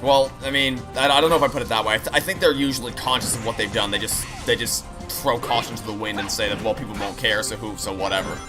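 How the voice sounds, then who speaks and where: A man's voice: on the low side, fairly even intonation, fast talker, few pauses. A man streaming a game, chatting with viewers and explaining his opinions in an analytical way while he plays. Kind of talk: live playthrough commentary and chat. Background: video game music and sounds.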